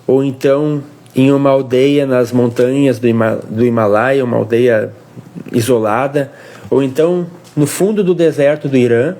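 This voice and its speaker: A man from Brazil, explaining a faith question on a casual family devotional livestream, with pauses and restarts. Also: mid-range voice, fairly even intonation, warm tone. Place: home livestream.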